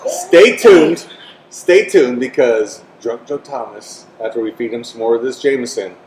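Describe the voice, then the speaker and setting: A man's voice: medium pitch, animated, a little slow, darkish tone, echoey room, slight background noise, low-quality recording. A Midwestern American man hosting a comedy podcast in a casual, rambling way, laughing often and repeating his words. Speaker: podcast host.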